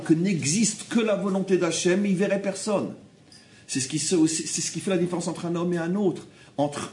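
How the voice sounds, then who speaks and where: A man from France, giving a Torah class, animated and repeating phrases as he makes his points. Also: a little high. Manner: animated, repeats phrases, acts out quoted people. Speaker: religious teacher. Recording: roomy room with faint background ambience.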